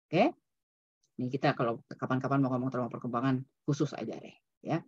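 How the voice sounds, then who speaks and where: A woman psychologist with a rumbling low, slightly rough, a little mellow voice lectures an online seminar by video call, keeping a steady tone at a slightly fast pace. She speaks casually, adding English terms and "gitu ya" tags. The audio has no echo but its highs are cut off.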